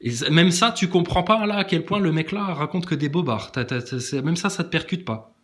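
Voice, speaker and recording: A man's voice: on the high side, brisk, a bit bright. A man giving a sarcastic, emphatic monologue to camera, challenging his critics. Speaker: online video maker answering critics.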